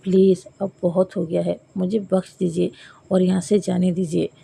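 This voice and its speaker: A woman's voice: lowish voice, little pitch movement, moderate pace, vocal fry, mellow, breathy edge, full character voice. A woman voicing a hurt, cold young woman. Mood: begging. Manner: curt and reproachful. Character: hurt, cold young woman, pushing her lover away. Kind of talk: storybook reading.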